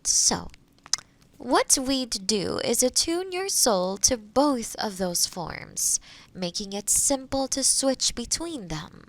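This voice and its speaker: A woman playing a kind forest witch in a roleplay audio drama, explaining things gently and thoughtfully to the listener. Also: a little high, very animated, slow pace, exaggerated voice, poor audio. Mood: patient, amused.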